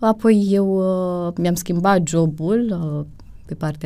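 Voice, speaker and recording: A woman's dark, mellow, fairly low voice at a very slow pace in a very clean recording with a silent background. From Romania, Bucharest. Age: 30s. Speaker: former pop-dance singer and model. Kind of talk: casual interview.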